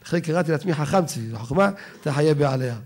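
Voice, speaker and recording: A man with an Israeli Sephardi accent, a rabbi giving an animated Torah lecture who quotes his sources and slows down to spell out how words are pronounced. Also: on the high side. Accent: Israeli Sephardi Hebrew.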